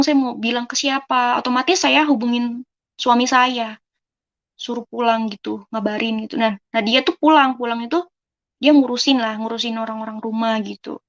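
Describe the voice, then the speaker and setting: A woman in her twenties from Indonesia, telling her own life story to an audience in a casual, conversational way and often turning to the listeners. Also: fairly high pitch. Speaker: person giving a testimony. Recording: dull lo-fi recording.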